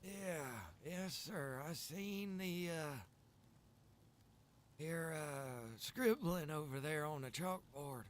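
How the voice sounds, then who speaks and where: A man's voice: fairly high pitch, takes it slowly, slight background noise. A man in casual roleplay chat, talking in a folksy, agreeable and encouraging way. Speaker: player in a zombie survival roleplay server.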